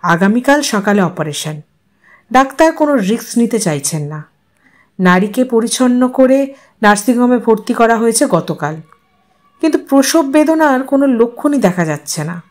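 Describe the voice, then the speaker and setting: A woman reading a literary short story aloud as its narrator, in a calm and measured storytelling manner. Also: a little high.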